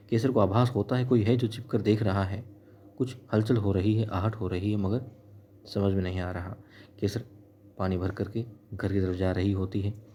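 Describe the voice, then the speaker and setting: Talking to viewers as though they're friends, this man narrates a chatty recap of a TV serial episode, saying "yes indeed" again and again. His low, mellow voice comes with a little hiss or hum.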